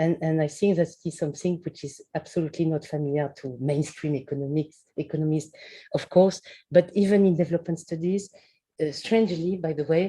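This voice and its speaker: A woman with a French accent, very deep and low in pitch, somewhat breathy, dark and mellow in tone, fairly even in intonation, at a fairly quick pace. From France. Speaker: development economist. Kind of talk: academic seminar talk. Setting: video call. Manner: halting, many fillers and repeats.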